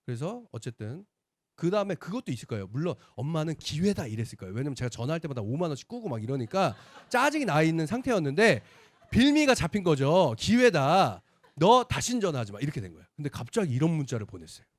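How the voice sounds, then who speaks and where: A man speaks in a slightly high voice that swoops up and down as he tells stories, acting out each quoted line. He is giving a sales seminar talk. The recording sounds dry and close. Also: quick pace, dry recording. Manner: animated storyteller, acts out quoted dialogue. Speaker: business presenter.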